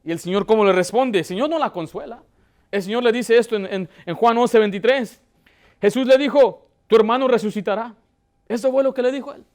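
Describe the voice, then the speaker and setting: A man's voice: very high-pitched, fairly quick, a little mellow. A man preaching a sermon as pastor, asking the congregation questions and building up emotion.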